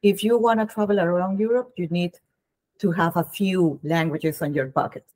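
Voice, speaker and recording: A woman's voice: lowish voice, steady tone, moderate pace, darkish tone. Colombian woman hosting a video call. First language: Spanish. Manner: chatty, frequent restarts and fillers. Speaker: host. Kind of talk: casual interview chat. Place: home room.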